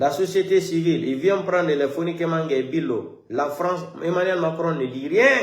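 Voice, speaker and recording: With audible room echo around him, a high-pitched man talks at a moderate pace with ordinary pitch variation. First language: not French (speaking French). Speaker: political commentator. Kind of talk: political commentary. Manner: animated.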